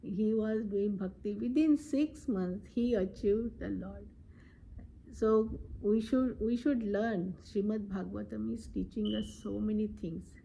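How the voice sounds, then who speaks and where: A woman's voice: medium pitch, a little slow, vocal fry, a little hiss or hum, rough recording. A woman giving a devotional scripture discourse, earnest, often asking "right?" and acting out quotes. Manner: earnest, lively quoting, frequent "right?". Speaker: devotional speaker.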